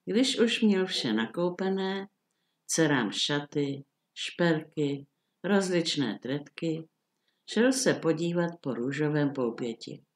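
Older lady reading an old fairy tale out loud, calm, steady pace. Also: low voice. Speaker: storyteller.

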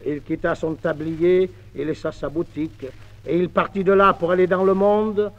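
A man telling a folk tale in a lively, expressive theatrical reading, on an old mono record. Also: high voice, moderate pace. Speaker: storyteller. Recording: dull 1950s mono record.

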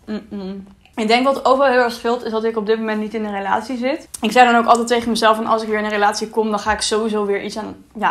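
A woman in her twenties chatting casually in a vlog as she eats, at times talking with her mouth full. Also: medium pitch. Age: 20s. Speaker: vlogger. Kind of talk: casual girl talk mukbang vlog. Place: small bright room indoors, seated at a table.

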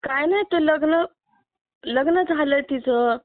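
A high-pitched woman pleads over a tinny, dry phone line, her voice thin and close with no room around it. She sounds upset, near tears, and keeps pressing her complaint with short questioning tags. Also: slow, dry recording. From Maharashtra. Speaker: caller asking for help.

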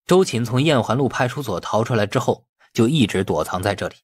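Guy narrating a dramatic audiobook, lowish husky voice, really dry sound. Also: expressive, fairly quick, dry recording. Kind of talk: scripted dramatic novel narration.

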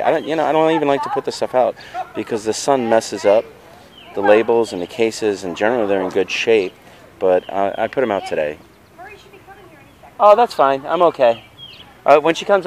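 Low-voiced man touring his flea market tables. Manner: chatty, rambling. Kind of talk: casual vlog walkthrough. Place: outdoor street fair. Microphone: handheld camera.

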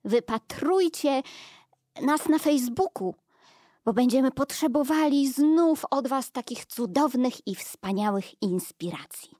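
Slow-paced woman storyteller. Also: high-pitched, animated, a little mellow, dry recording, studio quality. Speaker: storyteller narrator. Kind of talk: narration for a children's audio play.

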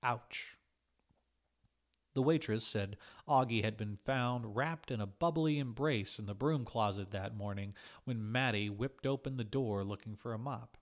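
A man's voice: medium pitch, a little slow. A man narrating a short story as a scripted audiobook reading. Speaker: audiobook reader.

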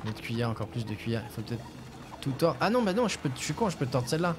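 A man's voice: medium pitch, big pitch swings, racing. A man streaming a game, giving casual commentary as he hesitates and thinks aloud. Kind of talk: casual let's-play commentary. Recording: game music behind.

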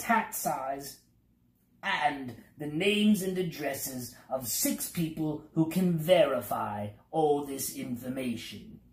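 A storybook reader voicing a little round, fussy male census taker who briskly rattles off long lists of questions in an officious tone. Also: mid-range voice, a little mellow, reverberant, voice pushed up.

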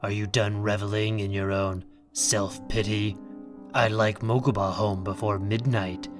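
A man's voice: lowish voice, level tone, unhurried, soft background music, natural voice. A man playing a proud, scornful young businessman in an audio drama, cold, curt and sarcastic. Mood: angry dismissal.

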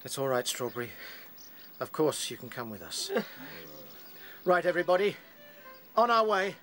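A man's voice: fairly high pitch, sing-song, moderate pace, sharp tone, faint music behind. A British man playing a young rabbit who is a caring, decisive leader in a radio drama. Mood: kindly, decisive.

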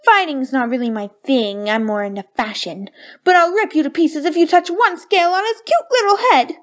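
Cartoon pony fashionista: high, very animated female voice, refined and vain, theatrically melodramatic. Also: brisk. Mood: fierce, indignant. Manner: theatrical, refined, affected ladylike diction. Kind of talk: fan voice reel of cartoon lines.

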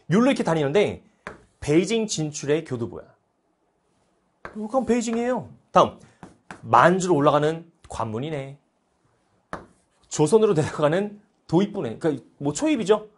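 A man in his thirties teaching history in a lively lecture, animated and playful, breaking into joking voices. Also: on the high side, normal speed, a little hiss or hum. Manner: animated, playful, puts on mock foreign voices.

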